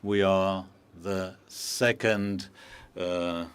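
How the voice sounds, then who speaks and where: A man working as a simultaneous interpreter for a formal speech, measured and halting with frequent pauses and fillers, into a booth microphone. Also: sits low, fairly even intonation, clean tone. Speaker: conference interpreter.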